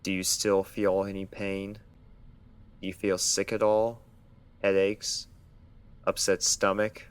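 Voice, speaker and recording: A man voicing a guarded male doctor pony questioning a patient in a story reading, stiff and measured. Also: sits low, little pitch movement, smooth. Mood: clinical, questioning. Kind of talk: dramatized fan fiction reading.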